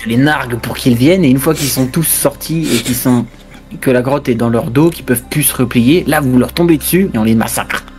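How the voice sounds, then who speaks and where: A man's voice: medium pitch, fairly quick, darkish tone. A man playing a tabletop role-playing game, bantering casually and jokingly. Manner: jokey, playful. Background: background music.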